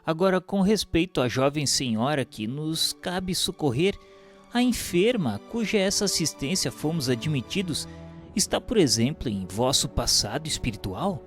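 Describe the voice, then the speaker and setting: A man's voice: a little high, very animated, normal speed. A man narrating a radio drama in the first person, formal and reverent in tone, also speaking his own lines to a mentor. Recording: roomy, reverberant hall sound with music.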